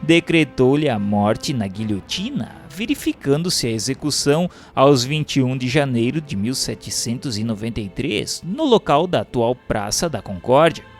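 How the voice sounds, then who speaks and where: A man's voice: medium pitch, big pitch swings, normal speed, hardly any pauses, soft background music. A man with a Brazilian accent narrating scripted radio history in a grave, formal, dramatically declaimed style.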